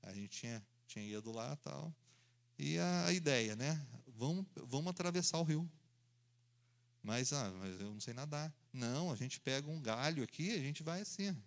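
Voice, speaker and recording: A man, preaching in an animated storytelling style, acting out voices and sounds and laughing along as he goes. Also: medium pitch, normal speed, vocal fry. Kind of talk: storytelling sermon.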